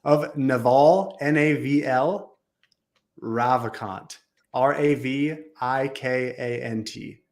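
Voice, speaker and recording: A man's voice: mid-range voice, slow pace. A man speaking as a guest on a casual podcast, earnest and enthusiastic, with casual slang. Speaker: podcast guest, business leader.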